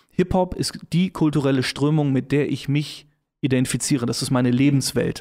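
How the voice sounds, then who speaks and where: An ordinary speaking voice at a moderate pace, with fairly even intonation. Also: man. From Germany, Cologne. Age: 30s. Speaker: hip-hop business consultant, company founder. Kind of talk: podcast interview. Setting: studio.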